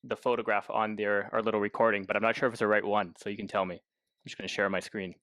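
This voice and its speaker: A man's voice: fairly low pitch, flat delivery, fast talker, a bit bright, no echo. A man co-hosting a podcast, putting questions to a guest in a casual, conversational way. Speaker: podcast co-host, interviewer.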